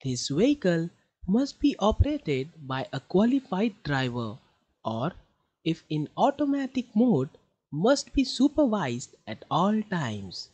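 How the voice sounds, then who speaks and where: Lively, higher-pitched male e-learning narrator. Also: breathy edge. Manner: instructional, deliberate phrasing. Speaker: voice-over artist.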